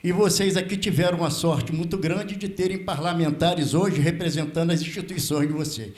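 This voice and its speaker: Elderly Brazilian man, rather high-pitched voice. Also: a little mellow. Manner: formal deferential address, halting with repetitions. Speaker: veteran prison officer speaking as a member of the public. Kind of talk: impromptu speech at a legislative hearing.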